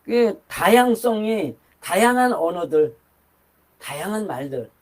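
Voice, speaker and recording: An older man delivering a sermon with a rather high-pitched voice. He talks in a loose, conversational way, wandering into asides and starting his sentences over. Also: very animated, unhurried. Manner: conversational, rambling with asides and restarts. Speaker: pastor.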